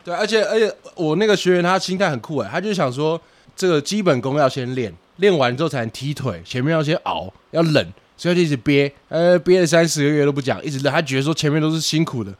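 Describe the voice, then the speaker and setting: Fast-talking man telling coaching stories. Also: on the high side, dry recording. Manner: animated storyteller, swears for comic effect. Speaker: boxing coach. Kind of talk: casual podcast chat.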